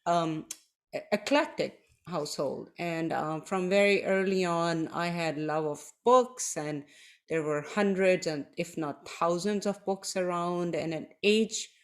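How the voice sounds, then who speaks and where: A middle-aged woman from Pakistan, co-hosting a podcast and speaking reflectively about her life, with many pauses. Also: lowish voice. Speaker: podcast co-host, doctor. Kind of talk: casual podcast chat.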